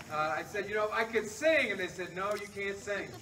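A man talks at a fairly quick pace in a raised, projected voice. Noticeable background noise runs underneath. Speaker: pastor. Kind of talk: sermon. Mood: warm, joking. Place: garden. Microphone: camera far.

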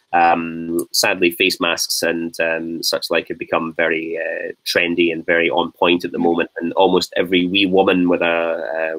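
A man with an Edinburgh accent speaks at a moderate pace. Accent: Scottish (Edinburgh). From Scotland, Edinburgh; Scotland. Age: 30s. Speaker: chef; interview guest. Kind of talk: casual interview chat. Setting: video call. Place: home room.

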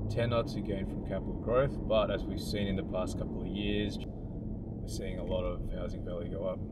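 A man talks with hardly any pauses. Loud background noise runs underneath. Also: moderate pace. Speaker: property-hunting vlogger. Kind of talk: casual vlog commentary. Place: car.

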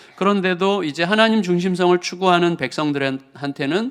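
Lively intonation from a man with a high pitch, at a moderate pace. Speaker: pastor. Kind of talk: sermon. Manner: conversational, with frequent fillers.

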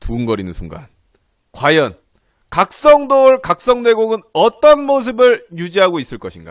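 Against a quiet background, a man talks at a fairly slow pace in a high pitch with very wide pitch swings. The sound is dry, with no echo. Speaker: live streamer. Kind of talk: casual stream chat. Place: home room. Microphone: studio mic.

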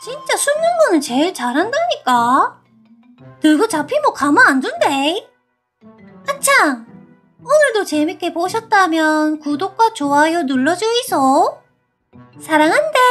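A female-sounding, put-on character voice hits extremely high pitches with very wide swings, moving at a fairly slow pace with long, frequent pauses. Faint music plays in the background. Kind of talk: children's fan role-play. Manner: brusque, warm, teasing.

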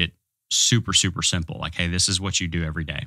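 A man with a very deep, low pitch and an American accent, bright and sharp in tone, with fairly even intonation, dry sound with no echo, and a quiet background. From Houston, Texas. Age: 30s. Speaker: pastor and former baseball player; podcast guest. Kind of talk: interview testimony. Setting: studio. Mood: earnest, reflective. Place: studio. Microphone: studio mic.

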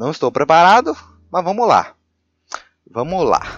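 A man speaks in an animated tone with very wide pitch swings at a moderate pace. The sound is dry and close, with no echo. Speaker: gaming YouTuber. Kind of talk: gameplay commentary. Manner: casual, animated.

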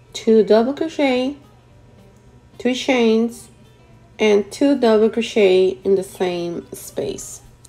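With faint music in the background, a woman talks at a very slow pace. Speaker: crochet instructor. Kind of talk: tutorial.

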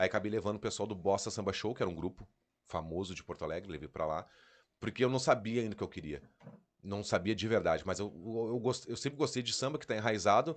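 A man with a fairly low pitch talks at a very fast pace, his tone animated. His intonation is lively, and the background is quiet. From Rio Grande do Sul, Brazil. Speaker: radio announcer. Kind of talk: casual chat. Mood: animated, retelling frustration. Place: studio. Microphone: studio mic.

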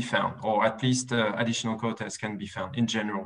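A man talks at a moderate speed with a quiet background. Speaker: fisheries bycatch researcher; guest. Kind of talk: online seminar discussion. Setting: video call. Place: home room. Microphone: earbuds.

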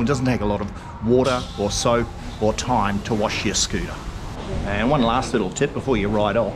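Moderate-paced speech from a man with fairly even intonation and very even loudness over clear background music. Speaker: scooter tutorial host. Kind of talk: tutorial. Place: street. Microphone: phone near.

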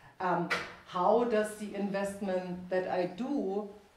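A woman is speaking. Light background noise and audible room echo are present. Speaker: climate finance expert. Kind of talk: panel discussion. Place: hall.

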